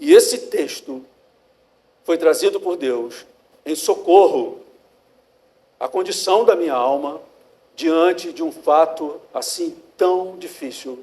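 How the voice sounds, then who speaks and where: A man talks at a very slow pace with long, frequent pauses. His loudness swings widely. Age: 60s. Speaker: pastor. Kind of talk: sermon.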